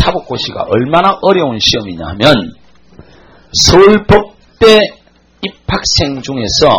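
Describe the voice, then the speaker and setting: Brief: male lecturer in his 40s, somewhat high voice, swinging pitch, blunt storyteller. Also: low-quality recording. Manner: animated storytelling, blunt and coarse. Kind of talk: motivational classroom lecture.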